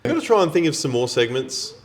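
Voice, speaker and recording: An Australian man co-hosting a podcast, telling anecdotes in casual chat with a blokey, slangy, animated manner. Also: fairly high pitch, fast. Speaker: podcast co-host.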